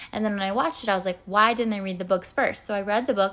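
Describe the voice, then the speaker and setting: A woman's normal speaking voice with fairly even intonation. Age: 20s. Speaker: book podcaster. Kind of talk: casual solo monologue. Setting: recording alone at home. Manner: casual with many fillers.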